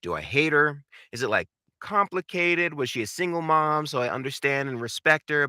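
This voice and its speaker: A man's voice: medium pitch, sharp tone, no echo, studio quality. A man giving an instructional talk as a voice acting coach, direct and emphatic, repeating phrases to drive points home. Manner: emphatic, acts out short example lines.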